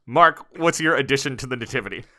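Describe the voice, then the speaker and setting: A man's voice: medium pitch, animated, fast talker, sharp tone. A man co-hosting a podcast, joking playfully in casual chat. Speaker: podcast co-host.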